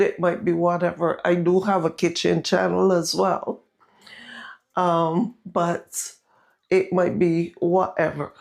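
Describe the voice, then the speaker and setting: A woman with a Barbadian accent and a naturally husky voice, raspier than usual from a sore throat, chatting to viewers as she cooks in her home kitchen. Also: fairly low pitch, a little mellow. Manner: chatty, talks straight to viewers. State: raspy, irritated throat. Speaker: home cooking vlogger. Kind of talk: casual recipe vlog.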